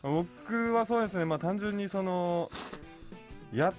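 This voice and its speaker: A man's voice: high voice, a little slow, soft background music. A young man talking casually as a guest actor in a radio studio. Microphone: studio microphone.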